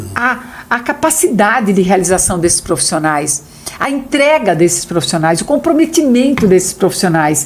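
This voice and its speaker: A woman speaks at a moderate pace and medium pitch, her voice swinging very widely in pitch over noticeable background noise. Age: 60s. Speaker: executive and speaker on women's leadership. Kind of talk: casual interview.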